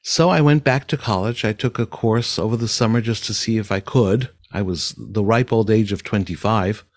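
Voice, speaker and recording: Answering interview questions at normal speed, this older man's nasal voice leans low, captured in clean studio sound without any room echo. He's a musical director and speech therapist who recounts stories enthusiastically and reflectively.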